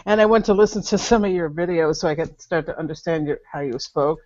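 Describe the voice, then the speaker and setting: A woman's voice: low-pitched, fast talker, a little mellow. A woman at a spiritual gathering, sharing her experience over a video call, often laughing and sighing as she tells her story. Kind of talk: candid personal sharing. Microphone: remote video call. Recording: dull, lo-fi video call audio.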